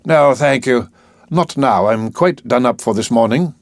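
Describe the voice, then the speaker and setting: A man voicing a polite, weary genteel gentleman. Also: mid-range voice, a little slow, gravelly, no echo.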